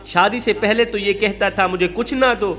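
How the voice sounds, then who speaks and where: A man's voice: sits high, steady tone, a bit bright. A man voicing a mistreated wife who pleads in a tearful lament of repeated lines.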